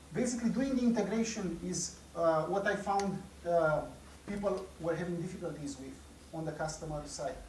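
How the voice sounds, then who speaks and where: There is audible room echo along with noticeable background noise. A man speaks at a high pitch with ordinary pitch variation. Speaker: tech company co-founder giving a talk. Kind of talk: technical talk at a meetup. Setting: meetup with live audience. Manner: fast.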